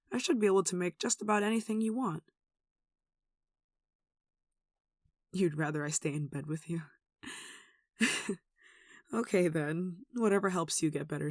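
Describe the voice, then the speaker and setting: Casting: performer to play a caring nun for ASMR audio drama; soothing, wistful, intimate delivery at medium pitch, very dry close mic. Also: no room sound, lightly acted. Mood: tender, reassuring. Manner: tender, soothing, wistful, with sighs and soft chuckles. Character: gentle, protective young nun caring for a sick demon. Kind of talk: ASMR roleplay, soft intimate acting.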